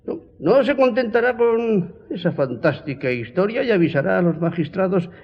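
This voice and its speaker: A man's voice: high-pitched, sing-song, moderate pace, muffled recording, full character voice. A man acting in a radio drama as a shrewd, slyly polite jeweler who haggles, stammering and repeating his words. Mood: slyly pressuring.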